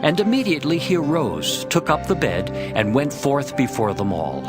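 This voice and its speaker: A man's voice: medium pitch, sing-song, moderate pace. A man narrating a dramatized scripture reading from a script. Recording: music behind the voice.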